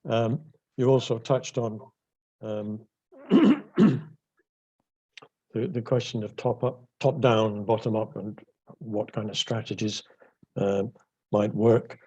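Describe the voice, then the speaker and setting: A man moderating an online panel discussion, thanking and summarizing the speakers in a measured way. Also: lowish voice, little pitch movement, warm tone, slightly rough, lo-fi sound.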